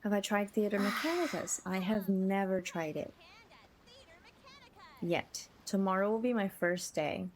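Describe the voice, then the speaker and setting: A woman hosting a livestream, chatting casually to her viewers in a gentle, appreciative way. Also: medium pitch, measured pace, slight background noise. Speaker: livestreamer host.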